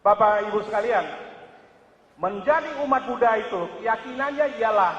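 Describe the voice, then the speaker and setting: A man giving a Buddhist dharma talk to a congregation, lively, acting out quoted voices and swinging between loud and quiet. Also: sits high, moderate pace. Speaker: Buddhist speaker. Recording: echoey hall, dull lo-fi sound.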